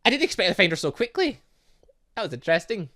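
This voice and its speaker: A man's voice: high-pitched, sing-song, quick pace, pushed and bright. A man hosting a let's play, commenting and reading game dialogue aloud, often tripping over words and correcting himself. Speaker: gaming channel host.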